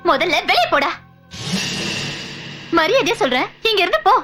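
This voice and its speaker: An actress playing a defiant young heiress who accuses with scorn in a film drama. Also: female voice, extremely high pitch, very animated, moderate pace, loud music behind the voice. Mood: scornful.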